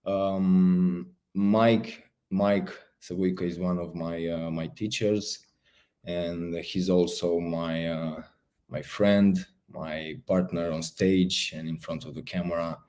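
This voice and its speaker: A deep-voiced man in his thirties with a Romanian accent talks over a video call. He is polite and a bit nervous and often pauses with an "uh." His low tone stays warm and gracious. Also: fairly even intonation. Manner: polite, slightly nervous, hesitant, with fillers. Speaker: guest actor.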